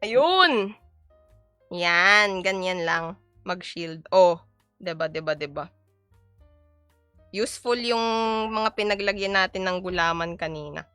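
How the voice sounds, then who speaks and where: A woman's voice: on the low side, animated, slow, pauses often, bright, forceful tone, smooth, no room sound, soft background music. A young woman from the Philippines chatting playfully and giggling on a casual cooking live stream.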